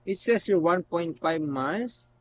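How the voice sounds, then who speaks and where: Male product reviewer, casual and unscripted, halting instructional delivery, noisy home-style recording with hum. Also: on the high side, expressive. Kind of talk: casual unscripted gadget demonstration. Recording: noticeable background noise and hum.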